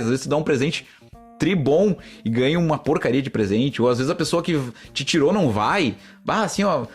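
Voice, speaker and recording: A man's voice: mid-range voice, breathy edge. A man from Brazil, hosting a solo podcast and telling stories in a chatty, rambling way straight to his listeners. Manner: rambling, chatty, often addresses listeners as "gente". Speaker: podcast host. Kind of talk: casual solo podcast storytelling.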